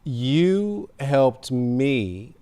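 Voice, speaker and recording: Give me a baritone male podcast host, smooth and mid-pitched, chatting emphatically over a video call. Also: very slow. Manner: animated, emphatic, gestures while talking. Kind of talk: casual conversation. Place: home room on a video call. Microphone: studio mic in frame, earbud.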